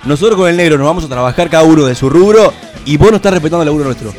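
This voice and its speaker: A man, co-hosting a radio show with quick-fire teasing banter. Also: on the high side, a little mellow, soft background music. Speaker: radio co-host. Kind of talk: casual studio banter.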